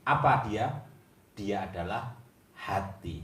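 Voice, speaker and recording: A man reciting religious teaching in a measured preaching style, with slow, deliberate emphasis. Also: fairly low pitch. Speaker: religious speaker reciting hadith. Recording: distant, echoey room with faint background noise.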